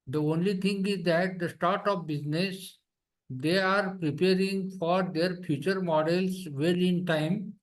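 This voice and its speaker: Higher-pitched Indian man, company executive. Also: fairly even intonation, measured pace, rough recording. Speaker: company executive answering investor questions. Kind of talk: question-and-answer on an earnings call.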